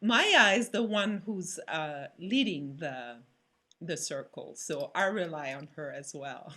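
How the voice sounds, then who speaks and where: A woman answering casually as an interview guest, in halting, slightly non-native English phrasing. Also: deep voice, animated, bright, forceful tone. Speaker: stage actor, panel guest.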